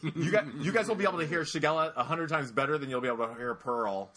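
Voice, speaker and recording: A man's voice: on the high side, quick pace, fairly bright tone. A man co-hosting a podcast, trading bawdy, campy jokes and doing dramatic impressions of his friends. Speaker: podcast co-host. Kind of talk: bawdy casual banter. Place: indoor room at a shared table.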